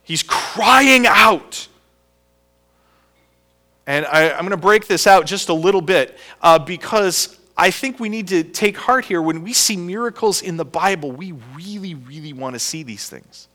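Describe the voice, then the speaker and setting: A man's voice: high voice, moderate pace, hardly any pauses. A male pastor preaching a sermon and praying, often asking the congregation questions and restarting his phrases with frequent "uh" fillers. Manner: animated, asks the congregation questions; hesitant restarts with many "uh" fillers. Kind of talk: sermon with prayer and Bible reading.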